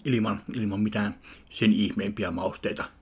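Deadpan man eating on camera. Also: on the low side, a little hiss or hum. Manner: unhurried, chewing between remarks, deadpan. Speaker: food vlogger. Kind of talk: casual eating review. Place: home kitchen, indoors. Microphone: webcam at arm's length.

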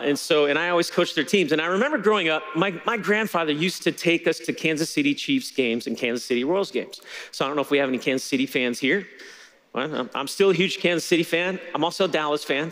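A middle-aged man preaching a sermon from a church stage on a headset mic, telling stories in a relaxed conversational way. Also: fairly high pitch, fast, big-room sound. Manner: conversational storytelling with laughter. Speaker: pastor.

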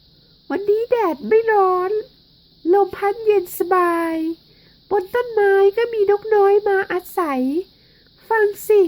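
A woman voicing a kind schoolteacher in a children's storybook, in a high, sing-song way. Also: takes it slowly, a little mellow, poor audio. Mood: cheerful. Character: kind schoolteacher chatting sweetly with kids. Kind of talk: storybook reading.

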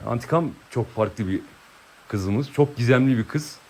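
A man's voice: medium pitch, measured pace. A man chatting to viewers in a vlog, coaxing his dog affectionately and explaining outdoors. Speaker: vlogger with his dogs. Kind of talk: casual vlog chat to viewers.

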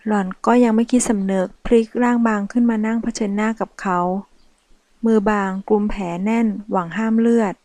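A woman reading a dramatic novel aloud in a steady storytelling voice. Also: on the high side, brisk, no room sound. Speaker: audiobook narrator. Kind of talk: scripted novel narration.

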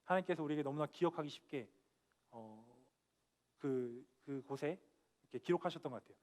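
A young man with a high-pitched voice delivers a church sermon. He speaks earnestly and with emphasis, sinking to a quiet tone and then lifting again as he drives home each point. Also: brisk. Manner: earnest, emphatic, dropping soft then rising on key points. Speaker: preacher. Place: church sanctuary.

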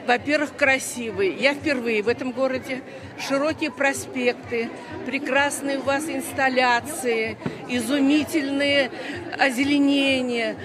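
A woman's voice: high-pitched, steady tone, a little slow. A woman in her sixties, a festival participant, giving an on-the-spot interview into a reporter's microphone. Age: 60s. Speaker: amateur comedy team member. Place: theatre stage, handheld reporter mic. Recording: loud crowd chatter behind.

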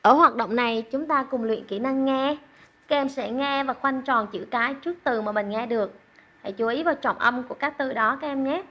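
A woman teaching English online, encouraging, repeating words slowly for learners, recorded close to the mic. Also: high-pitched, lo-fi sound. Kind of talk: online classroom lesson.

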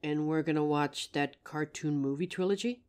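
A woman voicing a gentle young female werewolf girlfriend in an audio roleplay, speaking tenderly and slowly through a grounding exercise. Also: low-pitched, smooth, lightly acted. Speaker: voice actor.

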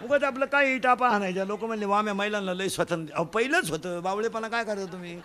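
High voiced preacher guy from maharashtra, animated comic sermon, shouts now and then, bit of hiss behind. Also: fast talker. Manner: animated, loud bursts, mimics village folk. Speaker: kirtan preacher.

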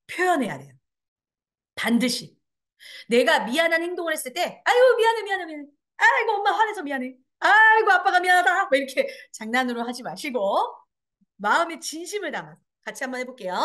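A woman teaching a parenting class, acting out dialogue in exaggerated voices and quizzing her audience. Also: high voice. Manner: asks the audience questions and answers them. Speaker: parenting education lecturer. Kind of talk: lecture to parents and children.

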